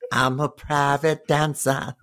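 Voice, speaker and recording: A man's voice: mid-range voice, flat delivery, slow, fairly bright tone. A man in his fifties chatting casually as a podcast host, with playful, teasing banter. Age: 50s. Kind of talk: casual chat.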